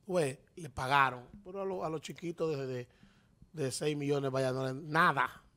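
A man's voice: on the high side, moderate pace, bright, forceful tone. A man in his thirties with a Dominican accent, co-hosting a studio talk show, emphatic and gesturing, full of rhetorical questions. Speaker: radio show co-host. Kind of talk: casual panel commentary. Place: TV-radio studio. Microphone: studio microphone on desk stand.

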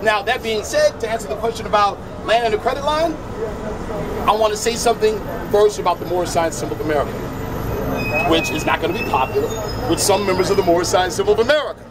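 Lecturing man debating on a busy street. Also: high-pitched. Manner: measured, lecturing, repeats phrases. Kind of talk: outdoor public debate. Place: city sidewalk outdoors. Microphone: handheld mic. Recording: noisy outdoor street recording. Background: crowd and traffic noise.

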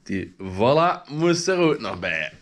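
A man's voice: medium pitch, big pitch swings, slow, background noise. A man chatting playfully in a home vlog at night while he has a cold, now and then breaking into snatches of song. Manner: playful, sings snatches of songs. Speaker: vlogger. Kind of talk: casual vlog chat.

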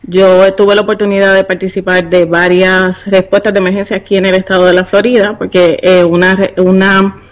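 Podcast guest, Puerto Rican woman, forties, mid-pitched, measured explanations. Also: little pitch movement. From Puerto Rico. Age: 40s. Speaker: guest, university professor and business consultant. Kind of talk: podcast interview conversation.

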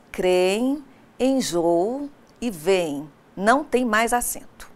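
A woman's voice: on the high side, fairly bright tone. Brazilian woman teaching a scripted online lesson. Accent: Brazilian Portuguese. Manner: didactic, addresses students directly with questions.

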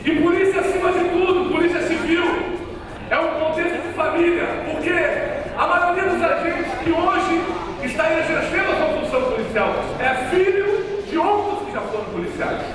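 A man's voice: very high voice, normal speed. Rousing man orating in an echoing chamber. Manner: rousing, rhetorical, repeats phrases for emphasis. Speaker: city councillor speaking at a session. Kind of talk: formal speech at a podium. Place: large council chamber, indoors. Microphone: podium microphone heard from afar. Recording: echoey chamber from far off with crowd.

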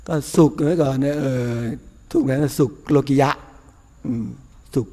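A man's voice: mid-range voice, moderate pace, warm tone, long reverb tail. A man, a Buddhist monk, giving a casual, folksy sermon with rhetorical questions and chuckles. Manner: folksy, chatty, with frequent laughs and rhetorical questions. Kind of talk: casual sermon before a meal. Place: temple hall.

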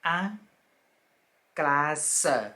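Female language teacher, patient and polite, slow drilled repetition, bright tone. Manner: slow, careful repetition of each word; polite, ends phrases with soft particles. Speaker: French teacher. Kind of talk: vocabulary lesson.

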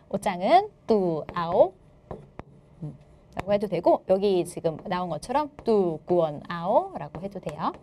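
A woman teaching an exam-explanation lecture, lively and playful, joking with her students. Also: on the low side.

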